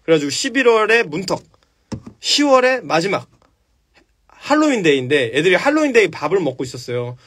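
Male streamer, high-pitched, comic crude storyteller who acts out voices. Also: very animated, brisk, fairly bright tone, husky. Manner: crude slangy retelling, acts out stuttering and panicky characters. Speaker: live streamer retelling a story. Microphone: phone on a live stream.

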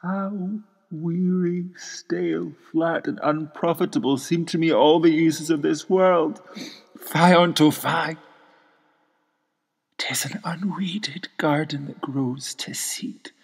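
A man's voice: on the high side, steady tone, slow, gravelly, breathy edge, big-room sound, full character voice. A man playing an anguished, weary young prince in a Shakespearean stage soliloquy. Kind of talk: Shakespearean dramatic monologue.

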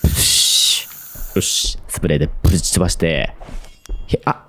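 A man's voice: sits low, brisk. A man commenting on a horror game as he plays, muttering to himself and breaking into sudden yelps. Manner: jumpy, talks to himself, sudden yelps and laughs. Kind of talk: let's play commentary.

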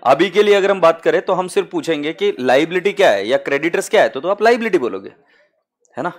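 A man's voice: on the high side, animated, quick pace. A man with an Indian accent teaching accounting to a live class, mixing Hindi and English and calling students "beta" fondly.

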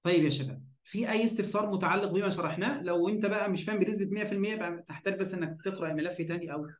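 This online Arabic grammar lesson comes from an Egyptian-accented man with a high voice who speaks very fast. He poses questions, supplies the answers himself, and keeps checking that students understand. The audio is reverberant, with slight background noise.

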